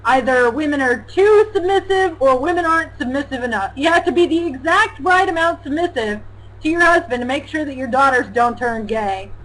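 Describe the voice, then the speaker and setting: A young woman co-hosting a casual talk show, loud and animated, often laughing and mocking. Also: high-pitched, brisk, poor audio. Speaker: co-host.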